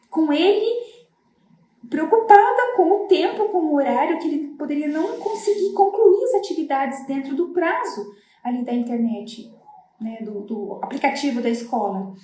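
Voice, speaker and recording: A middle-aged woman with a high, mellow voice talks to parents in a casual, earnest way, explaining step by step and often checking that they follow. She comes from Brazil. The sound is echoey, as if recorded in an open room. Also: lively intonation, measured pace. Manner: earnest, explanatory, with many "né?" tags. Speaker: floral therapist.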